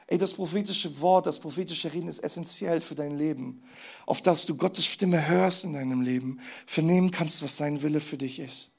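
A man preaching a lively sermon in a church service as the pastor, using vivid everyday comparisons. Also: high voice, gravelly.

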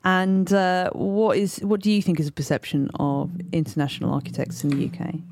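A woman's voice: lowish voice, flat delivery, brisk, creaky, a little mellow, a little hiss or hum. A woman hosting a podcast interview, friendly, with small restarts as she asks her questions. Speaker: podcast host.

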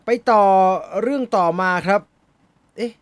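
A man's voice: sits high, a little slow, fairly bright tone, dry recording. A man hosting a casual live stream about movie news and reading viewer comments, chatty and loose, muttering to himself as he sorts out his slides. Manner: chatty, laughs and mutters while fixing slides.

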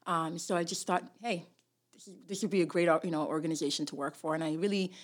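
A woman from Somalia and Tennessee with a husky voice, telling her story casually as an interview guest. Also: deep voice, steady tone, fast. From born in Somalia, grew up in Tennessee, US. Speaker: interview guest, immigration lawyer.

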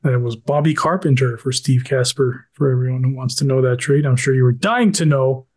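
A man co-hosting a casual sports podcast, talking in an animated way and dropping joking asides. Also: mid-range voice, a little fast. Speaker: podcast co-host.

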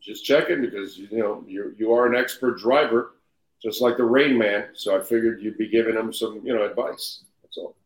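A man's voice: fairly low pitch, moderate pace. A man hosting a sports radio show in casual, teasing banter, his voice heard with an echoey roomy sound.

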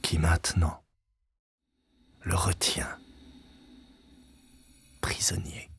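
An actor playing an obsessive, vengeful widower in a French audio-drama monologue, solemn, grandiloquent and deliberate, often sinking into breathy whispers. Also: male voice, sits low, flat delivery, a bit bright, full character voice. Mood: agitated, scheming. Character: obsessive, vengeful widower, grandiloquent, haunted by his lost wife. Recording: binaural recording with music.

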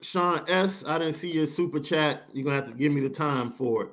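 Man, podcast host, animated, slangy, fairly high voice. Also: brisk. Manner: excited, slangy, reads super chats. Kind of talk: animated sports podcast banter.

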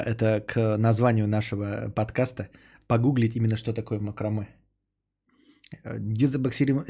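A young man hosting a podcast, reading out donations and chatting casually, sarcastic and rambling, often trailing off into low mutters. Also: gravelly, dark tone, breathy edge. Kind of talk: casual stream chat.

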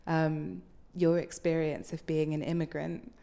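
A woman hosts an interview, with a low voice that stays fairly flat. She asks long, winding, thoughtful questions. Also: measured pace, creaky. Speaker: podcast host.

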